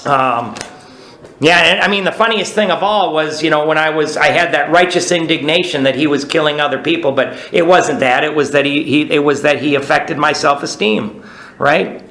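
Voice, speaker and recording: Bright-voiced man telling a recovery story. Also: fairly high pitch, moderate pace, echoey room, poor audio. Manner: rambling, restarts, asks "right?". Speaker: recovery speaker. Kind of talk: recovery talk.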